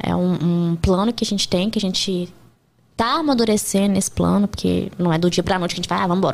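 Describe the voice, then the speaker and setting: A woman talks very fast, and her pitch varies in an ordinary way. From Brazil, Minas Gerais. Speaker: digital influencer. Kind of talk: casual chat.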